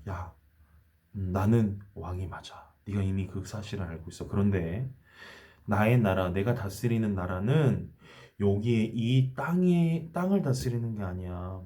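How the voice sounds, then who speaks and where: A man voicing a calm, gentle male king in a children's Bible story, explaining plainly. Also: lowish voice, unhurried, close to an everyday voice.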